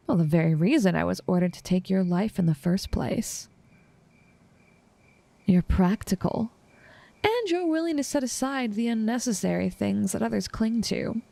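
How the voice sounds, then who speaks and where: A woman playing an infatuated assassin in an intimate audio roleplay, composed and menacing yet tender, speaking softly and often slipping into whispers. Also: mid-range voice, vocal fry, no room sound. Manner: soft, unhurried delivery slipping often into whispers.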